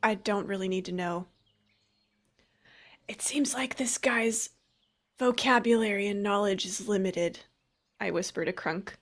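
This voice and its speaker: A woman roleplaying her character at a tabletop game, curious and quick with questions. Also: mid-range voice. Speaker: player.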